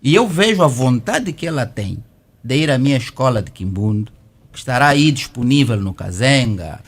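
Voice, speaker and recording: A man's voice: medium pitch, lively intonation, normal speed, slightly rough. A middle-aged man from Malanje with an Angolan Portuguese accent, a lawyer on a debate panel who argues persistently and keeps talking through interruptions. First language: Kimbundu.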